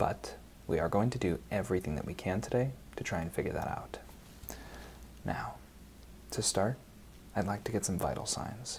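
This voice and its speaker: Whispering at a moderate pace in a gentle tone, a man leaves long, frequent pauses. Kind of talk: calm role-play exam talk to the viewer. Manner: soft, gentle ASMR bedside voice. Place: studio.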